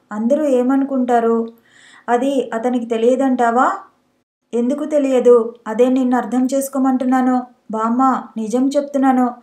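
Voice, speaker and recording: An insistent, proud young woman, read by a woman narrator in a fairly high, flat, mellow voice. The recording sounds echoey, as if made in a bare room. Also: close to an everyday voice. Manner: indignant, insistent.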